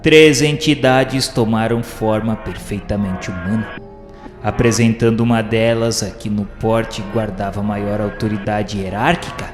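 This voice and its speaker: A man's voice: lowish voice, steady tone, unhurried, lightly acted. A man playing an earnest spirit pupil who narrates a radio drama in a formal, solemn, literary manner. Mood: solemn, awed. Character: earnest male pupil recounting journey through spirit underworld. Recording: echoey, long reverb with music behind.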